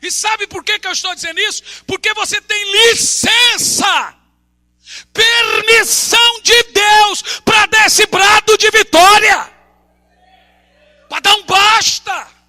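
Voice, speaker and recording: A man, a pastor preaching a fervent sermon and bursting into shouts. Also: extremely high pitch, steady tone, takes it slowly. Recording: reverberant hall with music behind.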